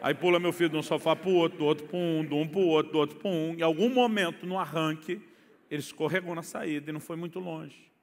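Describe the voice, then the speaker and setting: A middle-aged man with a Brazilian accent, a pastor telling a humorous story in a sermon, swinging from quiet asides to near-shouting. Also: on the high side, steady tone, quick pace, a little hiss or hum. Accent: Brazilian Portuguese. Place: church. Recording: echoey church hall.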